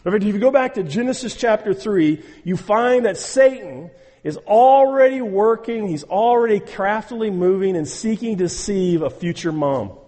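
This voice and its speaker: A man's voice: sits high, lively intonation, normal speed, dark tone, in a large hall. A man preaching a sermon, emphatic and exhorting, repeating phrases and speaking straight to his listeners. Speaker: pastor.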